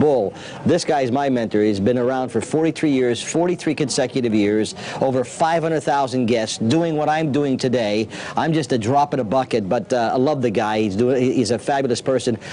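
This man has an American accent, a medium pitch and ordinary pitch variation, with light background noise behind him. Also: moderate pace. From US Northeast (Pennsylvania). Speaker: TV interview show host. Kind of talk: casual on-location interview. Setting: on location at a film festival. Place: hall.

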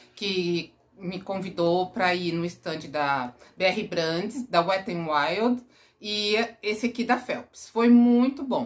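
A woman's lively intonation at a very slow pace. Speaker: beauty vlogger. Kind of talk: casual vlog chat. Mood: enthusiastic, cheerful. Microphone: phone near.

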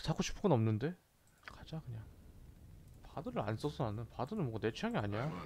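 With an animated tone, a man talks at a very fast pace, his pitch swinging very widely. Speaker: game streamer. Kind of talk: casual gameplay commentary. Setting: recorded at home, playing a video game. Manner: talks to himself, informal, animated.

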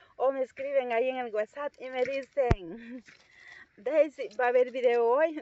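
At a moderate pace, a woman talks with ordinary pitch variation. Her pitch sits high. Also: dry sound with no echo. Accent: Salvadoran. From El Salvador, rural. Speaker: vlogger and farmer; vlogger. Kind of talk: casual vlog to camera. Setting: outdoors in the countryside. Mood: cheerful, laughing. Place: farm machine. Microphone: phone near.

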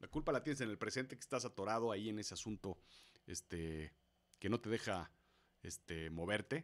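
An animated man with a Mexican accent, speaking at a moderate pace. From Mexico. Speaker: podcast host, writing coach. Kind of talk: casual live-stream monologue; casual live stream monologue. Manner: animated, conversational. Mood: animated, slightly worked up. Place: home room. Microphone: webcam.

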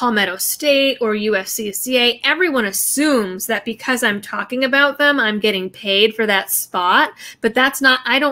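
A woman speaks in a bright, sharp tone. Her pitch varies in an ordinary way. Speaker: live streamer. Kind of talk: casual live stream chat. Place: home room. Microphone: webcam.

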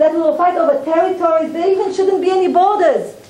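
Audible room echo surrounds a woman speaking at an extremely high pitch. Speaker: teacher. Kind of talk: lecture. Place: classroom. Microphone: handheld.

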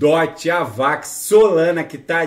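A man's fairly high-pitched voice with vocal fry at a fairly slow pace. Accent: Brazilian. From Brazil. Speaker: crypto trading analyst. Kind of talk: market analysis monologue. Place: home room.

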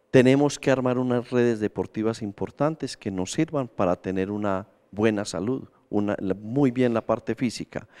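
Against a quiet background, a man speaks at a moderate pace. His tone is dark and mellow at a medium pitch. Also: ordinary pitch variation. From Colombia, Antioquia (Sonsón/Argelia); Antioquia, Colombia. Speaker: mayoral candidate, former congressman; candidate. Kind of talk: political debate. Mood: combative, rebutting. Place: studio. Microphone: handheld.

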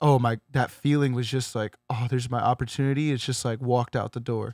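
Against a quiet background, a man with an American accent talks at a fairly quick pace in a monotone, flat intonation, the sound dry with no echo. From small farm town in California. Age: young. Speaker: music producer; guest. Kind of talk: casual interview chat. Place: studio. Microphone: studio mic.

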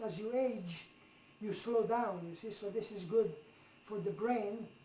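A man's high-pitched voice at a moderate pace, fairly even in intonation, with audible room echo and light background noise. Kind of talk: casual exercise vlog talk. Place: home room. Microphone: camera far.

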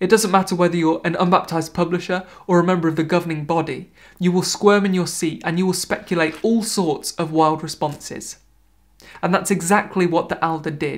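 A man's high-pitched voice at a fairly quick pace, flat and monotone. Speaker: former member commenting on religion. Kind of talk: commentary to camera. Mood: earnest, critical. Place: home room.

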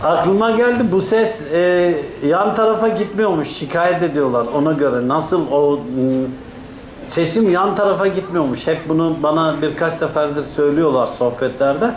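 Through light background noise and audible room echo, a man with a high voice speaks at a fairly slow pace and very even loudness. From Turkey, Izmir region; Turkey. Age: 50s. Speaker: Sufi sheikh. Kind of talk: religious talk answering audience questions. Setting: dervish lodge gathering with audience. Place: home room. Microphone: lapel.

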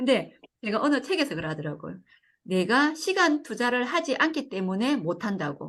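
Against a quiet background, a woman talks at a moderate pace in a fairly high pitch with very wide pitch swings. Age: 50s. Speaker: brain training franchise manager. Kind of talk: case presentation. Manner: halting.

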